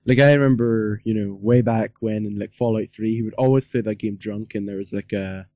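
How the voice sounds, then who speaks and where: A man's voice: fairly low pitch, steady tone, brisk, warm tone, dry recording. Rambling man hosting, dull lo-fi sound. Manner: rambling, repeats himself, peppers talk with "like". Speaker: podcast interviewer. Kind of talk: casual interview chat.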